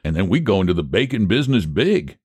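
A man's voice: low-pitched, very animated, quick pace, darkish tone, breathy edge, no room sound, exaggerated voice. A man voicing a scheming, homespun rural American pie baker, folksy and persuasive, in a storybook reading. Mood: triumphant.

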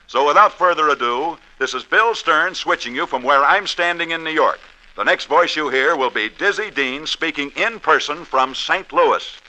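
A man's voice: a little high, sharp tone, poor audio. A man hosting a sports radio show, narrating scripted stories in a dramatic, declamatory way.

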